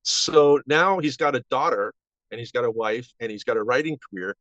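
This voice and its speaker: An elderly man in his seventies looks back casually as an interview guest. He talks in a halting, rambling way, restarting sentences. The recording is slightly dull and lo-fi, with hardly any room sound. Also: medium pitch, a bit bright, no room sound. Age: 70s. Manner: halting, rambling with false starts. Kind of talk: casual reminiscing. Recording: dull, band-limited audio.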